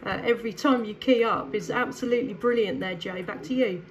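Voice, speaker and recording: Enthusiastic southern English woman, slightly high voice. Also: a little fast. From southeast England. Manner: enthusiastic, effusive. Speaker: CB radio operator. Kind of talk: casual two-way radio chat.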